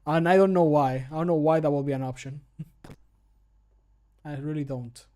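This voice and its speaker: Guy in his 30s streaming, casual jokey chat, voice a little on the high side. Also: fairly even intonation, a little slow, mellow, clean tone. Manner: self-deprecating, joking. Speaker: streamer, amateur voice actor. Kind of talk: casual chat while recording. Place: small home room, indoors.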